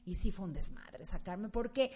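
A woman's voice: mid-range voice, moderate pace. A Mexican woman co-hosting a podcast, telling a personal story casually and colloquially, acting out what people said and repeating phrases. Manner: colloquial, animated retelling with acted-out quotes and repetition. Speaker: podcast co-host.

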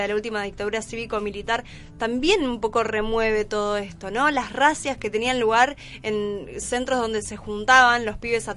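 A woman's voice: a little high, fairly bright tone. Argentine woman hosting radio over music. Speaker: radio host. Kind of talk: radio talk and commentary.

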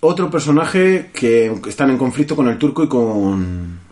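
A man's voice: mid-range voice, lively intonation, measured pace, darkish tone. A man hosting a casual film podcast, insistent and swearing freely. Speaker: podcast host discussing a film.

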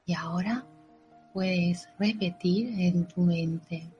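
Slow, mellow woman guiding a meditation. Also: lowish voice. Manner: soothing, unhurried, gently paced with pauses. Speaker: guided meditation narrator. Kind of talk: slow guided meditation with affirmations. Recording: dull lo-fi audio with soft music. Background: soft background music.

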